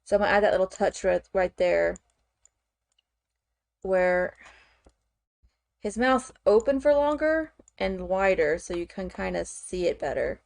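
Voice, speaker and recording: Woman streamer muttering through her work, lots of okays, kinda gravelly. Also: medium pitch, lively intonation, unhurried, long pauses, darkish tone, no echo. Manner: thinks aloud, frequent "okay" and fillers. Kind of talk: casual chat while working on screen.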